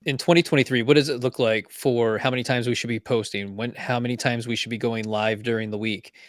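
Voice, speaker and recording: A man's voice: medium pitch, steady tone, fairly quick, no echo, studio quality. A man hosting a podcast who chats casually and asks his guest questions. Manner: conversational, chatty, asks questions. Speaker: podcast host.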